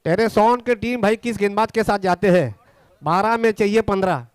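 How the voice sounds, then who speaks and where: At a normal speed and with no room sound, an Indian man with a very high, smooth, clear voice commentates on a cricket match as it happens. His excitement comes through as he follows every delivery and keeps repeating the score.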